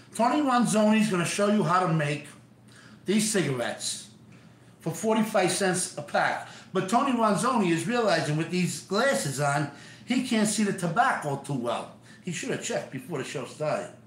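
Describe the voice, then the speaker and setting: Audible room echo surrounds a man with a high pitch speaking at a moderate pace. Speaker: live streamer. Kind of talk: casual tutorial chat. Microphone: phone near.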